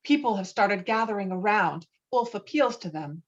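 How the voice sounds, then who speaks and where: Over a muffled, lo-fi video call, a woman with a mid-range voice narrates stage directions for a screenplay table read. She sounds animated and keeps a moderate pace.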